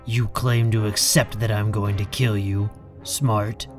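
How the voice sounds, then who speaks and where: Cold, proud, low-voiced man acted. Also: flat delivery, slow pace, music in the background. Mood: contemptuous. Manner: curt, contemptuous, controlled. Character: cold, proud, defiant man guarding his younger brother. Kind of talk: fan audio drama acting.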